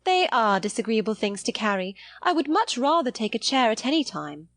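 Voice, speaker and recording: A woman's voice: on the high side, big pitch swings, fairly quick, fairly bright tone, no echo, studio quality. A woman voicing a placid, trivial-minded married lady in a period novel audiobook, chatting in a mildly fretful manner. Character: placid, trivial-minded middle-aged married lady, fussy about clothes.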